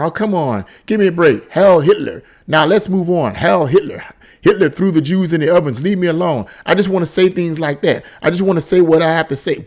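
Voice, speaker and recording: A man giving unscripted, opinionated political commentary on the news, exasperated, with stammering restarts and phrases repeated for emphasis. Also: a little high.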